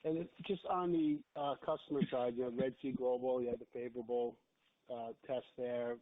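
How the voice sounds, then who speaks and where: A man's voice: mid-range voice, steady tone, moderate pace. A man speaking as a financial analyst, putting questions to management on an earnings call. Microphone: phone. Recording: tinny phone line.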